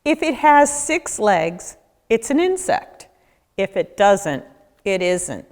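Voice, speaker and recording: A woman reading a children's book aloud, expressively and deliberately, as a nature educator speaking to young listeners. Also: mid-range voice, big pitch swings, darkish tone. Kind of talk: children's read-aloud narration. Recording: echoey, reverberant room.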